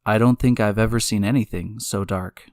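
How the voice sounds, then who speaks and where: A man's voice: on the low side, fairly even intonation, moderate pace. A man delivering scripted, dramatized science narration as the guide of a radio drama, explanatory in manner. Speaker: narrator and time machine guide. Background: loud music.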